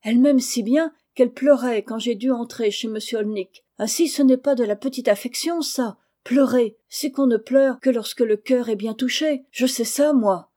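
A woman's voice: on the high side, normal speed, few pauses, dark tone, lightly acted. A woman reading the part of an impulsive, mischievous orphan boy, talking eagerly in a storybook. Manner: eager, pleading.

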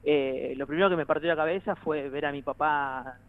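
A man's voice: fairly high pitch, fairly even intonation, a little fast, narrow, tinny audio. A man in his thirties with an Argentine accent, a musician guest who rambles, jokes and laughs often in a casual interview chat. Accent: Argentine Spanish. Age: 30s.

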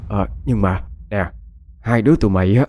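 An older mother, voiced by a male reader, scolds in a slow drawl. She sounds stern and calculating. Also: on the low side, warm tone, faint music behind, natural voice. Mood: scolding.

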